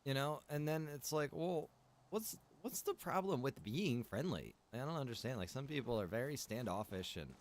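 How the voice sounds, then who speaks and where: A man of middling pitch talks off the cuff as a game streamer who runs his own server. He speaks informally and loosely, circling back and repeating phrases as he works through a thought. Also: sing-song, normal speed, slight background noise. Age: adult, past early twenties. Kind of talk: casual livestream chat while gaming.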